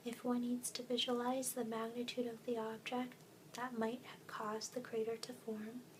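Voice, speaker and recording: Soft-spoken whispering at a moderate pace over noticeable background noise. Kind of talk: asmr reading of facts. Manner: soft-spoken, whispered.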